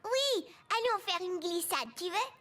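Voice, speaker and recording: An actor voicing an excitable, curious four-year-old boy in a children's cartoon, with an eager, childlike way of exclaiming. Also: very high voice, a little slow, full character voice. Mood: playful.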